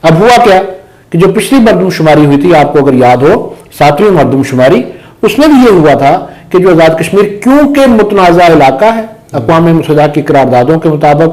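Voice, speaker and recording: Pahari-speaking male commentator, pitched a bit high, emphatic and argumentative. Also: darkish tone, low-quality recording. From Azad Kashmir. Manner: emphatic, rhetorical questions. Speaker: guest commentator. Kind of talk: political discussion.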